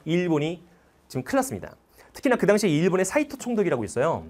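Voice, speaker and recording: A male history teacher giving a lively lecture that retells a film, a dramatic storyteller who quizzes his listeners with questions. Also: high voice, very fast.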